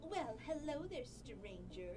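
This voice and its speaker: A woman's voice: fairly high pitch, sing-song, takes it slowly. A woman voicing a boastful, theatrical cartoon villainess who is pompous and dramatic. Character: boastful, theatrical female villain, great and powerful. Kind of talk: dramatized cartoon parody dialogue.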